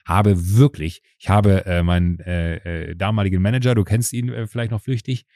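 A man's voice: fairly low pitch, a little fast, no echo, clean studio sound. A man in his forties hosting a podcast, telling a story casually and animatedly, acting out what people said, with frequent fillers. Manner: animated, acts out quoted dialogue, frequent fillers. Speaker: podcast host.

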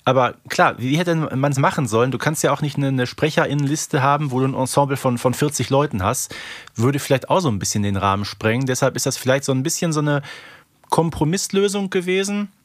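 A man's voice: medium pitch, a little fast, no echo, clean studio sound. A man co-hosting a podcast, recapping casually and colloquially, often ending on a questioning tag. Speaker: podcast co-host. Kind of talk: casual recap and review chat.

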